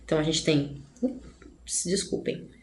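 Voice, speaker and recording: Chatty Brazilian woman teaching grammar. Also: sits low. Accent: Brazilian Portuguese. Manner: chatty, frequent "né?" and "gente" asides; slows down to stress syllables. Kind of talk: online grammar lesson. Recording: roomy echo.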